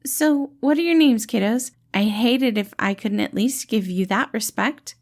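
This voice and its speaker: A woman's voice: fairly high pitch, normal speed, voice pushed up. A woman voicing a tiny, kindly, cheerful male healer who talks in an eager, reassuring, fatherly way for a storybook. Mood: friendly, reassuring. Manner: eager, reassuring, gentle, calls people kiddo.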